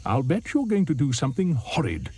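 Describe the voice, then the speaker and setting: A man's voice: on the high side, wildly swooping pitch, brisk, dark tone, a little hiss or hum, pitched above the performer's own voice. A man voicing a fussy, disapproving male hippopotamus who talks in a raised, scolding tone.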